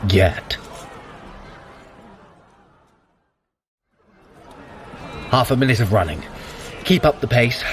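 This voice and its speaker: Man playing wry, animated scheming god. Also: mid-range voice, moderate pace, noisy background, lightly acted. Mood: watchful, instructing. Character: wry, scheming male god guiding a mortal. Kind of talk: audio adventure drama for runners.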